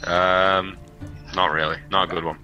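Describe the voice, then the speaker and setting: A British man talks through his turn in a tabletop game, casual and a little scattered, with the odd swear word. His voice sits very low yet has a strikingly bright, cutting edge. Soft music hums faintly behind. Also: flat delivery, a little slow, lo-fi sound. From United Kingdom. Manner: chatty, casual, swears freely, trips over his words. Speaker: player. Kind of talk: livestreamed tabletop game chat.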